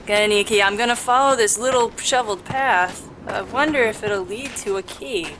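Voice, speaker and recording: A woman's voice: mid-range voice, moderate pace, background noise. A woman hosting a casual gaming video, explaining things with joking asides. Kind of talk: casual let's play commentary. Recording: clear game music behind voice. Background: game music.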